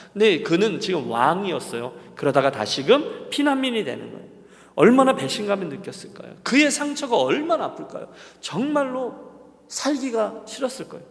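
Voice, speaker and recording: Man preaching, middle-aged, fairly high voice, gravelly edge, long church reverb. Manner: earnest, addresses the congregation directly. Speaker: senior pastor. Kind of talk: sermon. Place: church sanctuary at a Friday service.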